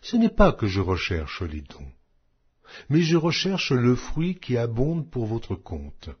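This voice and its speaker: A man narrates scripture in a solemn, declamatory style. His voice is husky and moves widely up and down in pitch as he phrases each line slowly and deliberately. The recording sounds slightly dull. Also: huge pitch swings. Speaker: Bible narrator. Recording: dull, muffled lo-fi audio.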